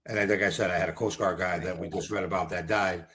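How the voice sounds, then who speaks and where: Man, political candidate, low-pitched and fast, combative and blunt in an interview. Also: fairly even intonation, a bit bright. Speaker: congressional candidate.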